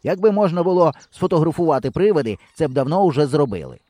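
A man's voice: a little high, sing-song, fast talker, warm tone, dry recording, pitched above the performer's own voice. A man voicing a jeering schoolboy. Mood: dismissive. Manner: scornful, jeering. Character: mocking skeptical schoolboy.

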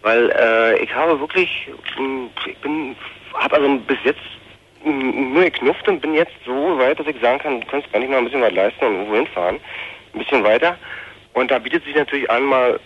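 Caller, male, rapid and rambling, heard down a tinny phone line on the radio, muffled and faintly hissy. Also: mid-range voice. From East Germany. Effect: tinny telephone line into a radio show. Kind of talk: casual call-in chat.

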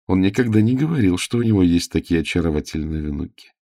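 A man's voice: deep voice, animated, fast talker, mellow, no echo, clean studio sound. A man voicing a beautiful, melodious noble lady in a storybook reading, sweet-sounding but cruel underneath. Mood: sweetly coaxing. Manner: sing-song and coaxing. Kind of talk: audiobook character reading.

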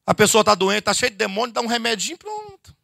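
Brazilian bishop preaching to his church, high voice that jumps all over, lots of questions, dry close sound. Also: quick pace, creaky, no echo. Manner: animated, rhetorical questions, addresses listeners as "queridos". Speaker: bishop teaching a Bible study. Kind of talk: conversational sermon to a congregation. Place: church meeting hall.

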